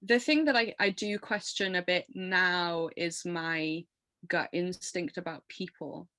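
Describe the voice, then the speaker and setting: Animated low-voiced woman in her thirties. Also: unhurried, dry recording. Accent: English. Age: 30s. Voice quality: low voice from years of smoking. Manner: animated, laughs often, lots of fillers. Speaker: musician guest. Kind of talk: casual interview chat.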